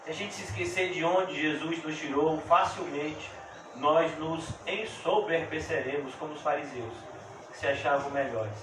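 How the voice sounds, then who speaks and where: A male pastor delivers a sermon in a high, bright voice, dropping to soft asides and rising to fervent exclamations. He is heard from a distance in a very echoey church hall with a faint hiss behind him. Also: normal speed. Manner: swings between soft intimate asides and loud fervent exclamations.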